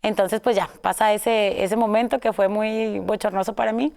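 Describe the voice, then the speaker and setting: A woman's voice: medium pitch, steady tone, normal speed, creaky, a little mellow. A woman with a Mexican accent, telling her own story in a casual interview, rambling with many fillers and self-corrections. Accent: Mexican Spanish.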